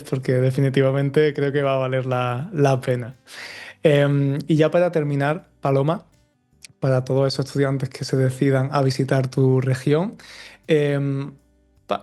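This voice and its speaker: An Andalusian-accented man hosting a Spanish-learning podcast. He sounds relaxed and mellow, with an even, level delivery. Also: medium pitch. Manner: relaxed, with frequent fillers. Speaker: podcast host, Spanish teacher. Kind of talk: casual conversational interview.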